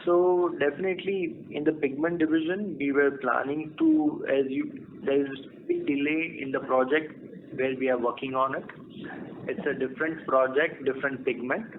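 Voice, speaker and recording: A man with an Indian accent speaking as a company executive on an earnings conference call, explaining in a halting way. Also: medium pitch. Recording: tinny phone line with clear noise.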